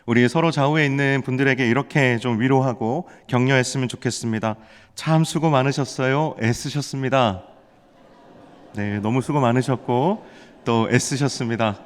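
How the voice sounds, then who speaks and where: Korean pastor preaching in a reverberant church. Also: male voice, medium pitch, brisk, clean tone. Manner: warm conversational preaching, rising to emphatic exclamations. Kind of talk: sermon. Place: large church sanctuary. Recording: long church hall reverb.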